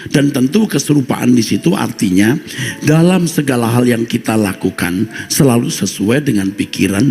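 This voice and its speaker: A man preaching a sermon as pastor, animated, breaking into acted-out anecdotes. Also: sits high. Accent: Indonesian.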